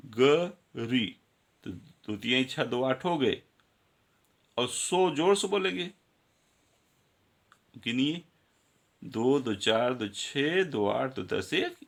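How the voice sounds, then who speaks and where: A man's voice: medium pitch, fairly bright tone. A male teacher giving a grammar lesson, counting syllables aloud and speaking directly to his students.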